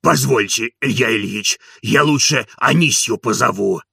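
A man doing a gravelly, grumbling old manservant. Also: mid-range voice, unhurried, pushed and bright, no room sound, studio quality, full character voice. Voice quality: gravelly, hoarse. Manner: grumbling, evasive. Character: old grumbling male servant, stubborn and sullen.

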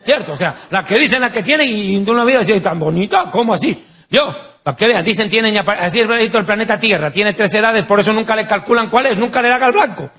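A man's voice: sits high, animated, fast talker, sharp tone. A man preaching a sermon in Spanish-language style, mixing teaching with anecdotes and jokes, asking rhetorical questions and acting out quoted voices.

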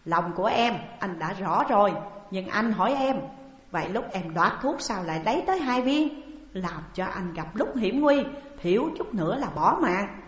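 A woman's voice: medium pitch, animated, moderate pace, lightly acted. Storybook role: woman voicing a proud ailing elder brother, reproachful, in an echoey, muffled room. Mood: stern. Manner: stern, reproachful. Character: sick elder sworn brother, proud and hurt. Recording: dull echoey hall recording.

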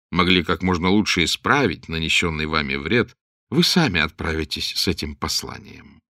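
A man voicing a calm, dryly ironic pirate captain in a storybook reading. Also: low-pitched, dry recording, studio quality.

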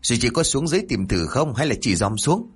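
A man's voice: mid-range voice, sing-song, fast talker, breathy edge. A man voicing an alarmed young village neighbor with a Southern Vietnamese accent, asking urgent, pressing questions.

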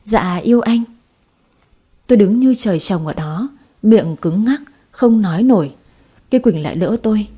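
A woman narrating a dramatic story in an even, measured way. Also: mid-range voice, husky.

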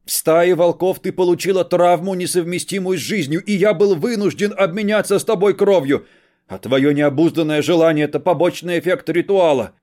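A man voicing a desperate werewolf husband who shouts and pleads to be heard, in an audiobook. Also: high-pitched, brisk, close to an everyday voice. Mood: insistent. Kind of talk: audiobook character voice.

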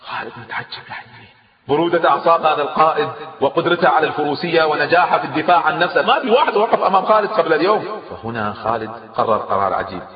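A fast-talking man recounts history with emphatic, lively delivery, often pausing to comment on the tale. His voice rings in a long hall reverb, and the recording sounds dull and lo-fi. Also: on the high side. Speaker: storyteller. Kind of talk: animated historical storytelling.

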